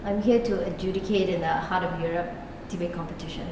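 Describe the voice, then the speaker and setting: A woman from Singapore, a debate adjudicator, gives short answers in a soft voice. She sits far from the mic, in an echoey hall with noticeable background noise. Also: on the low side, steady tone, fast. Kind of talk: casual interview answers.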